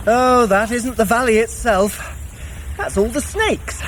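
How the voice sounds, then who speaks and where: An actor playing a sly, witty trickster god with a wry, theatrical manner in an audio adventure. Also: male voice, very high-pitched, a little slow, a bit bright, a little hiss or hum, low-quality recording. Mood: urgent, wary. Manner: wry, theatrical, hesitant when evasive. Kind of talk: dramatised audio adventure for runners.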